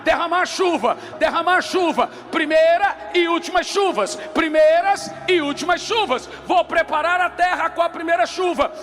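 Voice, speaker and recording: Brazilian male preacher, very high-pitched, impassioned emphatic sermon delivery, repetitive phrasing, music behind the voice. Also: normal speed, few pauses. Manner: emphatic, declamatory, repeats phrases, often shouting. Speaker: preacher, pastor.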